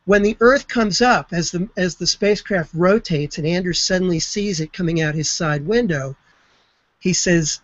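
High-voiced man telling a story vividly. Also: moderate pace, a bit bright, no echo. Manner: vivid, enthusiastic retelling. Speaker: space historian guest. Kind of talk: storytelling explanation. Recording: slightly muffled web broadcast.

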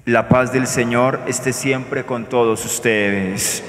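Field: Priest. Sex: man. Delivery: flat, solemn liturgical recitation. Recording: church with long echo. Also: medium pitch, slow pace, a little hiss or hum. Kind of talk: celebrating Mass, praying aloud. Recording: echoey church with long reverb.

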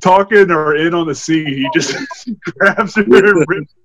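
Reviewing a film for the horror podcast he co-hosts, this thirtysomething man rambles casually and laughs a lot, livening up when something amuses him. He's at home on a video call using a desk mic. The recording sounds muffled, and his fairly high voice moves at a measured pace.

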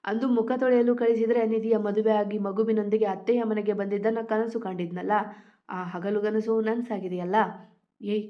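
A woman's voice: mid-range voice, level tone, normal speed, natural voice. A woman voicing a playful, insistent young husband in a read-aloud storybook, in a dull lo-fi recording. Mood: teasing.

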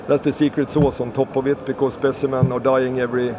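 Middle-aged Swedish-born panelist, flat delivery, noisy live stage. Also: male voice, mid-range voice, fairly quick. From Sweden. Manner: enthusiastic, flat-toned, repeats words. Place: conference pavilion stage. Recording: noisy live event feed.

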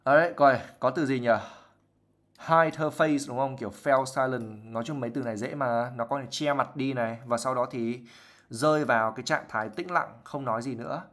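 A male English teacher explaining vocabulary in a relaxed, chatty way on a live lesson. He mixes English words into his explanations, reads passages from a novel aloud and acts out examples as he goes. His pitch sits in an ordinary middle range. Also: normal speed. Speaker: IELTS teacher.

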